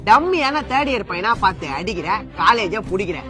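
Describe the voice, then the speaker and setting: A man's voice: high voice, animated, brisk, pushed and bright. A man acting in a comedy sketch as a cocky older-brother type who gives swaggering, boastful advice. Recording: clear background music.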